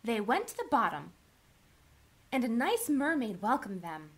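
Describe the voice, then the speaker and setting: Woman playing a high, sing-song young lady spinning a fairy tale. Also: huge pitch swings, a little slow, slightly rough, heavily acted. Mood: musing. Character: young woman Sally, flustered then inventive.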